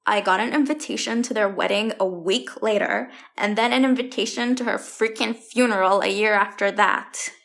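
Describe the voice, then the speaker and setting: An actress playing a blunt, sardonic young fairy-tale heroine with a casual, deadpan delivery in an audio comedy. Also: female voice, mid-range voice, normal speed, vocal fry, few pauses. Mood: wry.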